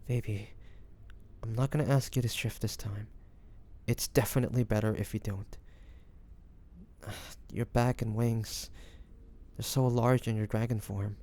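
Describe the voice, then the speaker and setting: A man's voice: on the low side, steady tone, unhurried, pauses often, dark tone, natural voice. A man playing a devoted fantasy adventurer and healer in an audio roleplay, speaking intimately and earnestly. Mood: tender, regretful, urgent. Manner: intimate, earnest, with breathy sighs. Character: devoted fantasy adventurer and healer, tender toward his dragon beloved. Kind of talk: dramatic audio roleplay addressed to the listener.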